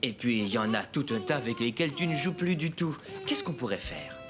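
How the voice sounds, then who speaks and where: A man acts a good-natured cartoon dad who guides patiently. His delivery is expressive, with a lively, swinging pitch, over clear background music. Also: a little fast, lightly acted. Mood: helpful. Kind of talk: dubbed children's cartoon acting.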